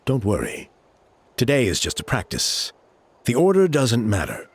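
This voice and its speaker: A man's voice: mid-range voice, wildly swooping pitch, moderate pace, husky, exaggerated voice. A man voicing a composed tribal guide in a video game, patiently explaining the steps of a sacred rite. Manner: patient, explanatory, with a wry chuckle. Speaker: ceremony guide.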